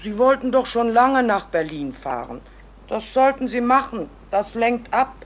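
An actress playing a caring, plain-spoken village housekeeper in a German radio drama, deferential yet gently insistent. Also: female voice, a little high, sing-song, a little slow. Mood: consoling, coaxing.

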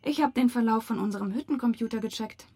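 An angry female activist in a radio crime drama. Her voice sits fairly high and has a husky edge. She sounds accusing and sarcastic, with grief underneath. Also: fast talker, warm tone.

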